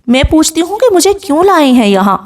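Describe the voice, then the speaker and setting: A woman voicing a young wife who answers her husband with sharp, angry retorts, in a dramatic novel reading. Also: sits high, expressive, pitched above the performer's own voice. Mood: furious. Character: young wife, furious and defiant.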